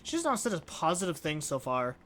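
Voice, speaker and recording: A man's voice: a little high, huge pitch swings, brisk, a bit bright, slight background noise. A man streaming a let's play with casual, informal, opinionated commentary.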